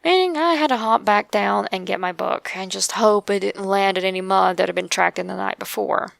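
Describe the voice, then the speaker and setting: A woman with an Appalachian accent narrates a scary first-person tale. Her mid-pitched voice is thick with gravelly creak. She tells it in a measured way with dramatic pauses, recorded very dry. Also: no echo. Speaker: narrator of true scary stories.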